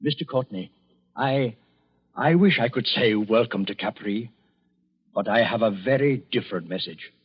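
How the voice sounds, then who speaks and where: A grave English doctor from a vintage radio thriller, formal and hesitant. His husky voice rises and falls expressively through a dull, aged recording. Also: medium pitch, expressive, moderate pace. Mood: grave warning. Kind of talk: old-time radio drama acting.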